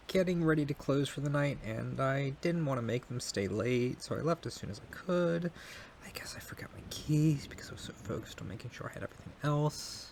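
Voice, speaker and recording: A man's voice: medium pitch, creaky, a little hiss or hum. A man playing a shy, polite and kind young male neighbor in an intimate ASMR roleplay, speaking hesitantly and apologetically, with stammers. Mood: sheepish, chatty.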